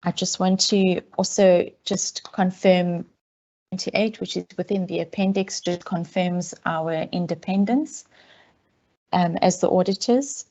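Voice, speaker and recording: A woman's voice: on the low side, fairly even intonation, dark tone. Woman auditor heard over a lo-fi call line. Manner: measured and businesslike, with frequent ums. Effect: heard over a video call line. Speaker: external auditor presenting a report. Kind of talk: formal briefing to a council committee. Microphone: remote call audio. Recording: dull, lo-fi call audio.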